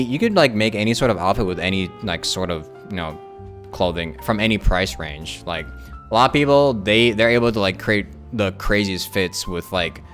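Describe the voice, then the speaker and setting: A woman streaming a game, giving casual live commentary in a rambling, halting, self-correcting way. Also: very deep voice.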